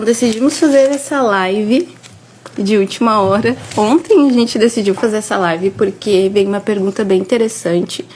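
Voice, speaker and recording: A woman's voice: fairly high pitch, a little mellow. A woman from Brazil chatting casually with viewers on a family devotional livestream, searching for words as she talks. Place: home livestream.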